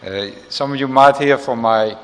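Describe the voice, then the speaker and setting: A man's voice: medium pitch, normal speed, fairly bright tone, long reverb tail, poor audio. A middle-aged Dutch executive with a slight South African tinge to his accent, giving a press conference speech full of "uh" fillers and restarts. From Netherlands. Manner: hesitant, many uh fillers and restarts. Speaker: corporate marketing executive.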